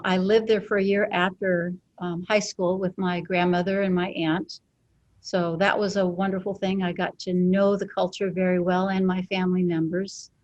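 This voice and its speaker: A woman's voice: lowish voice, darkish tone, no room sound, dull audio. A woman born in Guatemala who teaches language, introducing herself to parents with a few fillers. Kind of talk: back-to-school night presentation.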